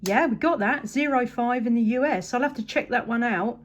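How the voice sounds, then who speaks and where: Speaking at a moderate pace in a fairly high voice, a woman from England has a relaxed chat over CB radio. She comes across as upbeat and thankful.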